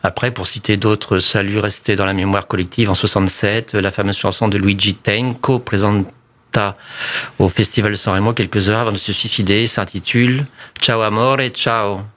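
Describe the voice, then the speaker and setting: A man's voice: on the low side, steady tone, moderate pace, a bit bright. A man talking as a studio guest on a radio show, chatty and full of asides. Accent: French. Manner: chatty, peppers talk with "tu vois". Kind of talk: casual radio chat.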